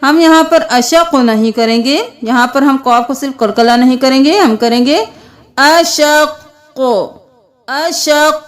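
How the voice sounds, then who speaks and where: A woman teaching tajweed, chanting Quranic words slowly and spelling them letter by letter with their vowel marks, with an Urdu-speaking South Asian accent. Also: high-pitched. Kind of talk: tajweed lesson, slow chanted recitation between quick explanations.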